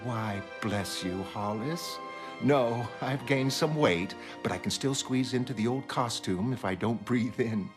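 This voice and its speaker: A man's voice: mid-range voice, a little slow, lightly acted. A man voicing a teasing, worldly older woman, a retired heroine chatting on the phone. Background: music.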